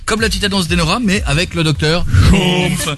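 A man hosting a radio show, joking and teasing his co-hosts in quick banter. He reads out listeners' messages and runs the show's game. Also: high-pitched. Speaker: radio host. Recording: radio broadcast with music bed.

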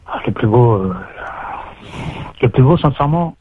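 A man's voice: medium pitch, expressive, moderate pace, a little hiss or hum. A man on a phone call, boasting with hesitant fillers. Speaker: caller on a radio show. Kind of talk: phone conversation. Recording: dull lo-fi phone line.

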